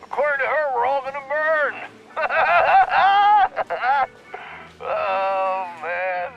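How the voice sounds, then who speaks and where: A man's voice: very high voice, animated, drawn-out words, creaky, muffled recording, exaggerated voice. An actor playing a carefree, party-loving young guy chatting on the phone in breezy slang in an audio drama. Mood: amused, excited.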